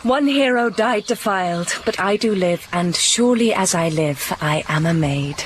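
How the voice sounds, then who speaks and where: A woman playing a gentle young bride. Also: on the low side, animated, moderate pace, a little hiss or hum, close to an everyday voice, poor audio. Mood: tender.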